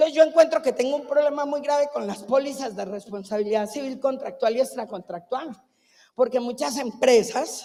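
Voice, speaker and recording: This woman has a dark, mellow tone and a high pitch with ordinary variation. Her moderate pace comes with big swings in loudness. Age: 60s. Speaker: government official. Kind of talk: conference talk.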